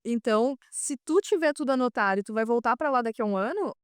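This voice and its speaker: Fast-talking woman host. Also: on the high side, animated, clear, resonant tone, dry recording, clean studio sound. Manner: quick, chatty questioning. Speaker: podcast host and pilot. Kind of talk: podcast interview.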